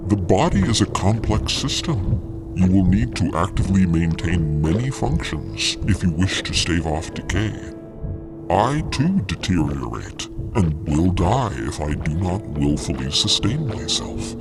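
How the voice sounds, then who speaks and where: Otherworldly mentor, very low voice, slow measured formal delivery, solemn, audio drama, music behind. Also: male voice, very animated, heavily acted. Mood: patient, solemn. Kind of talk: audio fiction acting.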